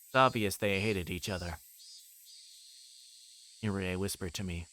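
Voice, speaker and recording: A man's voice: low voice, unhurried, bright, forceful tone, a little hiss or hum. A man livestreaming a visual novel, reading the story aloud as narration with his own asides and voicing the dialogue. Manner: voices characters' dialogue while reading.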